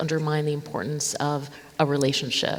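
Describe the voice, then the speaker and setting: A woman with an American accent, a very deep, low pitch and a fairly quick pace, over noticeable background noise. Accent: sounds American. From Israel. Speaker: TV producer and consultant. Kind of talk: panel discussion.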